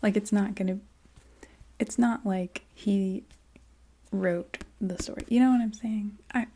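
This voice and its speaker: A woman chatting casually in a soft ASMR voice that often drops into a whisper. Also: mid-range voice, fairly even intonation, a little slow. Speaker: ASMR video creator. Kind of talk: soft-spoken ASMR, casual rambling chat.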